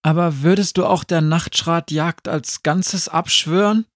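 A man playing a higher-voiced young witch apprentice, urgent, earnest. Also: fairly even intonation, measured pace, no room sound, studio quality.

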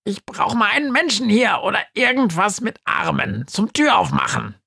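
A man's voice: sits high, animated, normal speed, gravelly, pushed and bright, husky, dry recording, clean studio sound, pitched above the performer's own voice, full character voice. A man doing a harried armless ghost. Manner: harried, bossy calling out. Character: grumpy armless little flying house ghost. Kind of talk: audiobook character voice.

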